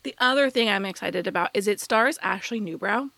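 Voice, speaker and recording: A woman with a bright, forward voice of medium pitch co-hosts a podcast. She talks casually and conversationally, leaning on words for emphasis. The sound is close and dry, with no room around it. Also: fairly quick, gravelly, no room sound. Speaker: podcast co-host. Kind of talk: casual chat, reading listener email aloud.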